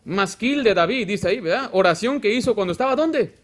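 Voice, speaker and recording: A man preaching a Baptist sermon as pastor, asking the congregation questions and swinging from loud exhortation to quiet asides. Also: high voice, expressive, fairly quick. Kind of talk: Spanish-language Baptist sermon. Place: church sanctuary.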